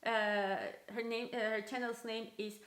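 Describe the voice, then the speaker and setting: A woman's voice: on the high side, level tone, a little slow, a bit bright. A woman in her thirties with a strong Armenian accent, chatting casually to camera as a vlogger with many fillers. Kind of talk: casual vlog talk to camera. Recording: echoey room.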